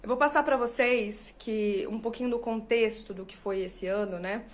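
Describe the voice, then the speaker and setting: Woman, Brazilian Portuguese accent, high voice, confiding casual chat, animated, tag questions. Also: moderate pace. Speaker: astrologer and channel host. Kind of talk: casual personal talk to viewers.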